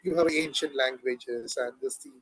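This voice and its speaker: Husky Tamil-accented man, hesitant speech. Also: medium pitch, steady tone, normal speed, a bit bright, low-quality recording. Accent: Tamil-influenced Indian English. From Tamil Nadu, India. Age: 30s. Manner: hesitant, with many fillers and restarts. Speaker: club member giving a short speech. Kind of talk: impromptu speech. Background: another person talking in the background.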